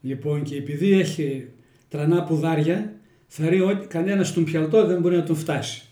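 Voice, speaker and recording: A man with a Kozani accent telling village folk tales in a homely, folksy way. His voice is mellow and dark, a little higher than usual for a man. The room is roomy and echoey. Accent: Kozani Greek dialect. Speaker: storyteller interviewee.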